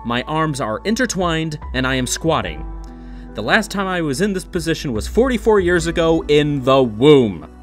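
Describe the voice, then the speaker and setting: Male narrator, theatrical and mock-serious, lively swooping intonation for scripted comedy, light music underneath. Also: fairly high pitch. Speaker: humorous reader of an online classified ad. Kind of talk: dramatic reading, scripted comic narration.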